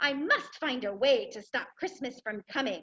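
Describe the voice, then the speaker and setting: A woman's growling, put-on character voice, high in pitch, at a moderate pace. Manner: growling, scheming.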